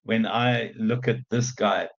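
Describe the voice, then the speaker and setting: A man's voice: on the low side, slow pace, gravelly. Chatty Afrikaans South African man lecturing. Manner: chatty, animated, with frequent repeated restarts. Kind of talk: university lecture. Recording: muffled lecture recording.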